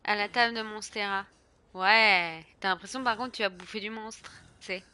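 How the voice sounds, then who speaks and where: A young woman streaming a video game, chatting excitably and swearing as she plays. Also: mid-range voice, normal speed. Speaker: gaming streamer. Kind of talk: casual let's-play commentary.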